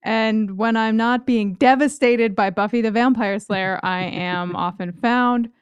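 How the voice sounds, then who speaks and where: A woman's voice: fairly high pitch, fairly even intonation, measured pace, clear, resonant tone, dry recording, highs cut off. A woman co-hosting a podcast in casual chat, with a playful, wry way of talking. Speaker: podcast co-host.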